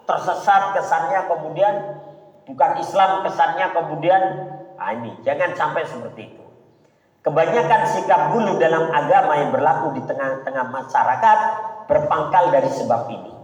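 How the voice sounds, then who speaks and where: A middle-aged man, giving an informal religious lecture in a chatty way, often calling listeners "Pak" and acting out quoted dialogue. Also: fairly high pitch. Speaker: preacher. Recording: echoey hall, dull lo-fi sound.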